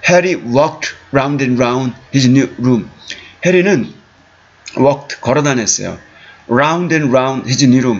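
With very even loudness, a man speaks at a very slow pace, leaving long, frequent pauses. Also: medium pitch for a man, ordinary pitch variation. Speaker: English reading tutor. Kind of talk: tutorial. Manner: explanatory, repeats words.

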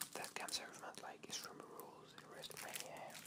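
Whispering, a man talks in a relaxed tone. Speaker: ASMR youtuber. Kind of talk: ASMR whispered rambling talk to camera. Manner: soft-spoken, whispering, relaxed, rambling. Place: home room. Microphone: headset.

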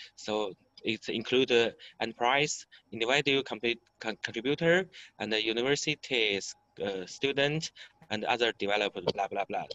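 A man with a Chinese accent talks at a fairly slow pace and a medium pitch, with ordinary pitch variation. Long pauses come often. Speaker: open source project presenter. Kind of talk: slide presentation in a video meeting. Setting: video call. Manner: halting.

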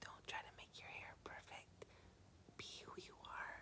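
A woman whispers, keeping a moderate pace. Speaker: vlogger. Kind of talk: casual vlog chat. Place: home room. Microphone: phone near.

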